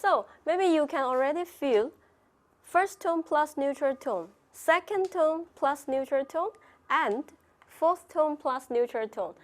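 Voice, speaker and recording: Slow-paced teacher, a woman. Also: high-pitched, expressive. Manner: slow, deliberate, repeats words for students. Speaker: Chinese language teacher. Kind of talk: slow language lesson.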